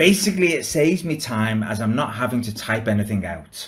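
At a moderate pace, a man with a British accent speaks at medium pitch. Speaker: software tutorial presenter. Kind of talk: tutorial. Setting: screen recording. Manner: clear, instructional.

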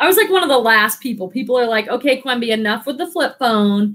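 Over a quiet background, a woman speaks with an American accent. She talks at a fairly quick pace with lively intonation. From Massachusetts, Boston area. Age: 40s. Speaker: online reseller and YouTuber; online reseller, YouTuber. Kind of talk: casual livestream chat. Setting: live stream with chat. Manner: animated. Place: home room. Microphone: webcam.

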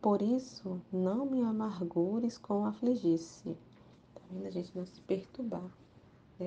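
Using a normal speaking voice, a woman talks fairly slowly at a medium pitch, with ordinary pitch variation. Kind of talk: prayer and devotional discussion.

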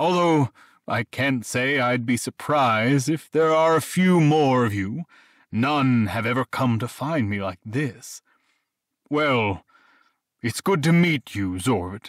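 A man's put-on character voice at a medium pitch, fairly slow, with lively intonation, on a very clean recording with a silent background. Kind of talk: audiobook character voice. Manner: warm, excitable, stammering.

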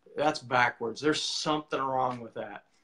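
In a normal speaking voice, the speaker keeps a moderate pace and fairly even intonation. The background is quiet. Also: man. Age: 40s. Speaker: leadership coach. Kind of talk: casual interview chat. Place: home room. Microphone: video call.

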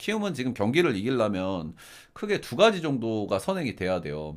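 Over a silent background on a very clean recording, a man speaks at a medium pitch and a fairly quick pace. His pitch swings very widely. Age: 40s. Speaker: sports betting analyst. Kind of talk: sports betting analysis. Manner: casual, many fillers.

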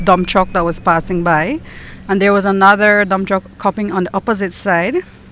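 Against noticeable background noise, a woman with a medium pitch speaks at a moderate pace with fairly even intonation. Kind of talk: eyewitness interview answer.

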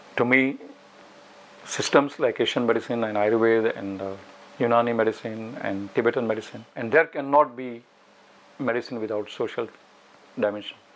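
A man with an Indian accent, medium pitch, fairly even intonation and a fairly quick pace. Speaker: Ayurveda practitioner. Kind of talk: interview explanation.

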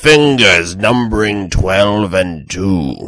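Using a put-on character voice, a man speaks raspy and fairly low at a very slow pace. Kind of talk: mock-archaic riddling verse.

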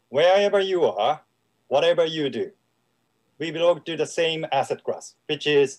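With a Japanese accent, a man speaks at a fairly high pitch with ordinary pitch variation. Long, frequent pauses break his speech against a quiet background. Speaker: private equity investor. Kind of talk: business presentation. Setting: video call. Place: home room. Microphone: webcam.

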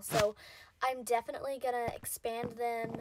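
A woman's high-pitched voice. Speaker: Minecraft roleplay gamer. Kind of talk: gameplay commentary. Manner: casual, chatty with fillers.

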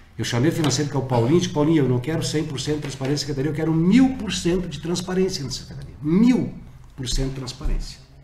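Audible room echo surrounds a man whose voice is fairly high-pitched. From Lages, Santa Catarina, southern Brazil; Santa Catarina, Brazil. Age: 50s. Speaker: retired military police officer, former municipal environment secretary, pre-candidate; guest. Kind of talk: interview; interview answer. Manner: hesitant, repeats words. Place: studio.

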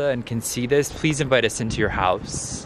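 Light background noise sits under a moderate-paced voice with ordinary pitch variation and a dry sound with no echo. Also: man. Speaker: vlogger. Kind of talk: casual vlog chat. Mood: playful, joking. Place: street. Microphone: phone near.

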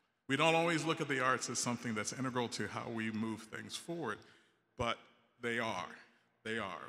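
With a bright, sharp tone at a medium pitch, a man speaks with long, frequent pauses. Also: ordinary pitch variation, moderate pace. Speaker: theatre company artistic director and event host; event host. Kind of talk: event welcome and moderation. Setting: stage with audience at a podium. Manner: formal. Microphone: handheld.

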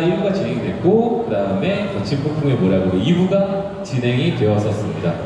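A man talks with hardly any pauses and very wide pitch swings, his loudness very even. Noticeable background noise and strong room echo surround him. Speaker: game director presenting an update. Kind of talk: live presentation to fans. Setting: stage with live audience. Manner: animated. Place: stage.

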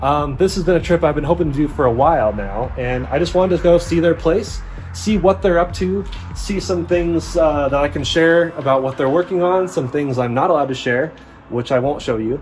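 Over music in the background, a man talks at a moderate pace with lively intonation. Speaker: car vlogger. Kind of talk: casual vlog chat. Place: garage. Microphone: phone near.

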